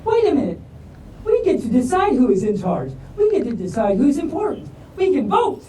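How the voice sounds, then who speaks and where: A woman's voice: sits high, wildly swooping pitch, moderate pace, dark tone, pitched above the performer's own voice. A woman voicing eager, friendly little forest animals from a storybook, with earnest declarations. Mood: encouraging. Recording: echoey room, distant mic, faint noise.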